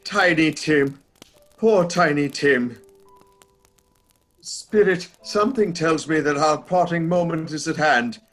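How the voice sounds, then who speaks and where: An actor playing an old miser, repentant and pleading, in theatrical, emotional radio drama style. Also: male voice, fairly high pitch, takes it slowly, long pauses, a bit bright, soft background music. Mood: solemn pleading.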